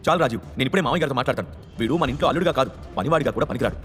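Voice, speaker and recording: A man voicing a haughty, angry, wealthy middle-aged mother who scolds loudly. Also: mid-range voice, animated, rapid-fire, big-room sound, soft background music, lightly acted. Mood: furious. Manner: scolding, scornful, loud.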